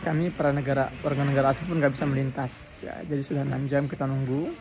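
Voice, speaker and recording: A man's voice: mid-range voice, little pitch movement, quick pace. A tired man from Indonesia chatting earnestly in a casual vlog, reporting from a border crossing. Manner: chatty and earnest, with soft laughs. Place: outdoors at a crowded border crossing, then a cafe. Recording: crowd noise behind. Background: crowd chatter.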